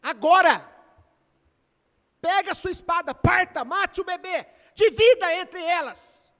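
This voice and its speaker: A man's voice: extremely high pitch, expressive, a little slow, pitched above the performer's own voice, heavily acted. A man playing a stern commanding king. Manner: commanding, forceful, emphatic. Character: stern ancient king giving a harsh order. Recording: echoey church hall.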